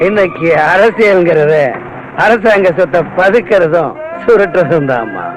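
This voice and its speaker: A sneering gangster. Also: male voice, sits high, animated, unhurried. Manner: sneering, laughing, lecturing. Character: mocking smug male gangster, middle-aged. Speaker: gangster holding a minister's daughter. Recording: dull lo-fi film soundtrack with music.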